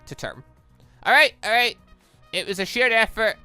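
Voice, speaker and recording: A YouTube gaming host reads a visual novel aloud in a bright, forceful voice whose pitch swings widely, at a moderate pace and with a clean tone. He's animated and rambling, slipping between reading lines and reacting with personal asides. Faint music plays in the background.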